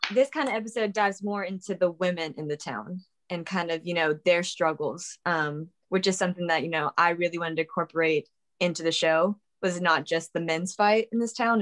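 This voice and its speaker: A woman's voice: lowish voice, a bit bright. A woman, co-creator of a show, explaining it in an informal, tentative way during a casual group discussion.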